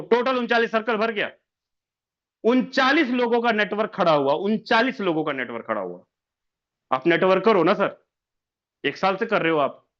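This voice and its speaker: A man's voice: high-pitched, pushed and bright, lo-fi sound. A man giving a sales presentation over an online meeting, repeating each figure and firing rhetorical questions at listeners he keeps calling sir. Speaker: business presenter.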